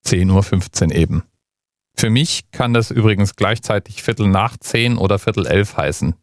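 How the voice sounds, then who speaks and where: Male host from Bavaria, lower voice, casual explainer delivery, dry. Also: moderate pace, no echo. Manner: conversational, explanatory. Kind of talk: scripted explainer narration.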